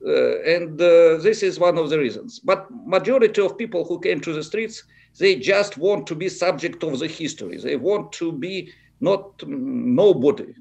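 A man with a Russian accent answers as an interviewee. His voice sits a little high for a man and has a gravelly creak. He is a non-native speaker who searches for words while laying out political analysis.

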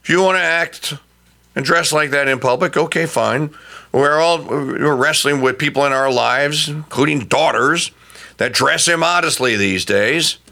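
A man's voice: fairly high pitch, unhurried, gravelly, pushed and bright. A middle-aged man hosting a talk radio show, delivering an emphatic opinion monologue that often stumbles into repeated restarts.

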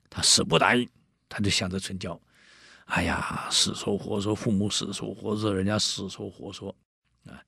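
A man retells an old tale in a chatty, lively way, turning to his listeners now and then. His low voice is gravelly and husky, and the recording is close and dry. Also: dry recording. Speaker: storyteller. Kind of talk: casual oral storytelling to an audience.

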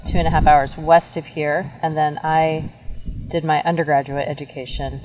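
A woman from Kansas, a winery owner speaking calmly as a podcast guest. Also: low-pitched, moderate pace, muffled recording, slight background noise. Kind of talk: casual podcast interview.

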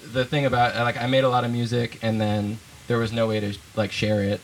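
A young man from Vermont chats about his band in a loose, rambling way. He keeps breaking into small laughs and restarting his sentences. His pitch sits in the middle of the range for a man. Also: completely flat delivery, fast talker, slight background noise, poor audio. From Vermont, USA. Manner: chatty and laughing, with many fillers and restarts. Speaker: band leader and guitarist. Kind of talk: casual interview chat.

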